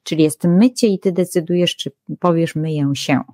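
A woman with a fairly low voice explains scripture in an animated, chatty way, with hesitant fillers and quoted lines she acts out. The sound is dry and close, with no room echo. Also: moderate pace. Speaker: biblical scholar guest. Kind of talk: explanatory conversational talk.

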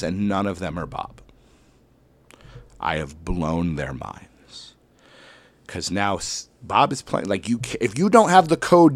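A man with a notably deep, low voice tells a personal story to an audience. He is a schoolteacher, and his telling is animated, with sudden loud bursts and slow dramatic drops. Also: no echo. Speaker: elementary school teacher.

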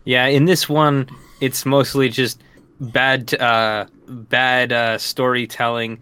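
A man co-hosting a casual podcast, chatty and quick to laugh, with plenty of fillers. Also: medium pitch, level tone, pushed and bright, clear, resonant tone. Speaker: podcast co-host.

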